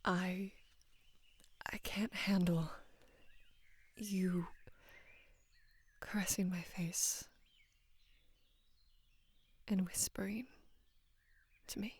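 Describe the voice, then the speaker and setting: A young woman in her twenties playing a devoted female knight in love with her queen, speaking hesitantly and deferentially in a soft, breathy voice for intimate roleplay audio. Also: lowish voice, steady tone, heavily acted. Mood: flustered, pleading. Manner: hesitant, halting, deferential, earnest.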